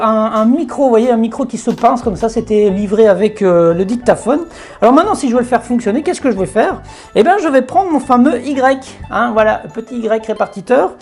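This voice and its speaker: A man's voice: high voice, a little mellow. A man hosting a casual hands-on tutorial, chatting with many fillers and restarts as he shows his equipment. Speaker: video tutorial host. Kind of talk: casual hands-on gear demo.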